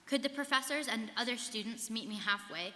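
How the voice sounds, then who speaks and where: Fairly quick, high, pushed and bright, the voice belongs to a young woman student performing an earnest first-person account of her life in a rehearsed stage reading. It is a live recording in a reverberant hall, with an earnest, recollecting mood.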